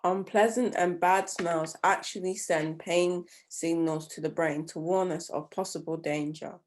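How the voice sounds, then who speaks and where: A woman's voice: lowish voice, steady tone, measured pace. A woman helping with a class, reading questions and passages aloud from a text.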